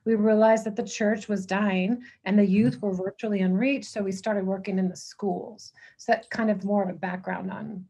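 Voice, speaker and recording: A woman's voice: medium pitch, fairly even intonation, moderate pace, hardly any pauses, dark tone, husky. A woman from Texas, a missionary guest, answering interview questions in an easygoing way with frequent fillers. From San Antonio, Texas.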